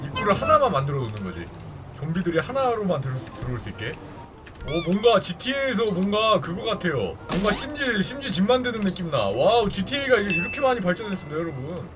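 Excitable high-voiced male game commentator. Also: fast talker. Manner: excitable, yelps and panicky reactions. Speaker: gaming video host. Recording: music playing under the voice. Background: background music.

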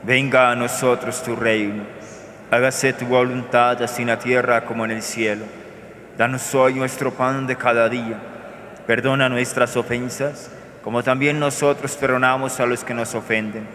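Give me a priest, speaking in a monotone as he prays through the Mass in a reverberant church. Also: medium pitch, slight background noise. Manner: measured, solemn liturgical recitation. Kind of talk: celebrating Mass, praying aloud. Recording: echoey church with long reverb.

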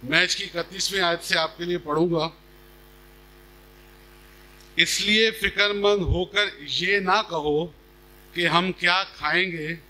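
A middle-aged man preaching a sermon in a measured, deliberate manner, speaking into a podium microphone. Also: fairly high pitch, pushed and bright, poor audio. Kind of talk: sermon with scripture reading. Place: stage at a church gathering. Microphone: podium microphone on a stand.

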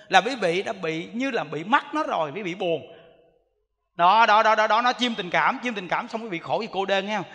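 A man, a Buddhist monk giving an animated sermon, repeating himself and speaking straight to his listeners. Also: sits high. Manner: animated, repetitive, addresses listeners directly. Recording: long reverb of a hall.

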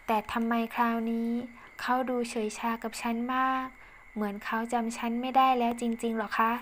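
A young woman narrating her own audio story in the first person, slow and confiding, with a dramatic touch. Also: fairly high pitch, level tone, a bit bright, a little hiss or hum.

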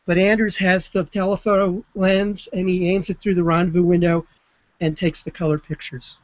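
A man who studies spaceflight history retells an event with lively enthusiasm in an online video chat. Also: high voice, moderate pace, no echo. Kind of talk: storytelling explanation. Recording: slightly muffled web broadcast.

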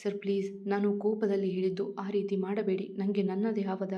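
A woman reading out a gentle young woman who begs tearfully and pushes back, in a storybook reading. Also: mid-range voice, little pitch movement, normal speed, muffled recording, close to an everyday voice. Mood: pleading. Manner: pleading, tearful. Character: gentle young woman, pleading yet defiant.

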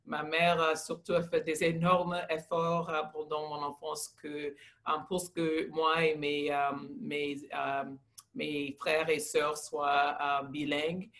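A middle-aged English-speaking woman, a leadership candidate, speaking haltingly in a second language on a video call, with many fillers and restarts. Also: low-pitched, level tone, a bit bright.

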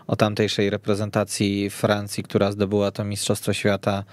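Low, even-toned male radio host. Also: moderate pace, dry recording. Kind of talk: hosting a sports discussion podcast. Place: radio studio.

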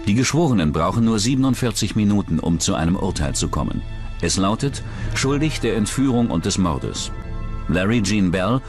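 A man's voice: lowish voice, expressive, moderate pace, darkish tone, faint music behind. A man reading scripted narration for a true-crime documentary.

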